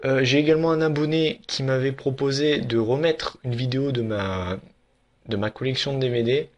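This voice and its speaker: A man's voice: mid-range voice, moderate pace. A young man giving a casual, frank review of a wrestling year in a vlog, with lots of fillers and restarts.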